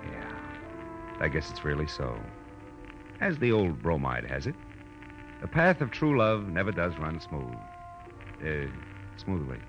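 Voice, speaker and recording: Hard-boiled american detective, real low voice, tired n wry, old dull radio recording w music behind. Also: male voice, wildly swooping pitch, unhurried, pauses often, exaggerated voice. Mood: tired, reflective. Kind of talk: 1940s radio detective narration and dialogue.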